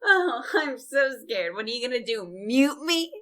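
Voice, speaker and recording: A woman's voice: fairly high pitch, very animated, measured pace, pushed and bright, full character voice. A woman playing a bossy, exasperated young woman in an audio drama, scolding and sarcastic.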